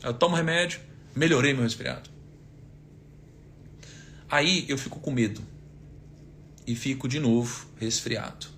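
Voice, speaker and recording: On a live stream, a thirtysomething finance speaker with a Brazilian Portuguese accent teaches casually about faith and money. He speaks at medium pitch, a little slowly, with long pauses and a fairly bright tone, over a slight hiss or hum. He keeps it conversational, posing rhetorical questions and citing Bible verses.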